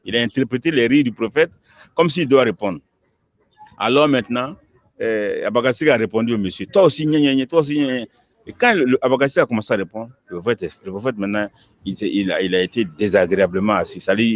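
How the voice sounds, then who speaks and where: A man's voice: lowish voice, fast talker, dry recording. A man, an imam, answering questions in an emphatic preaching manner, repeating words as he builds each point. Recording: dull lo-fi recording.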